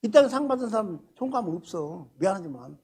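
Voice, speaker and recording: An older man preaching a sermon in a church at a Friday service. He talks emphatically, shifting from loud exclamations to hushed asides and firing rhetorical questions at the congregation. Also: high voice, very animated, fast, breathy edge. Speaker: senior pastor.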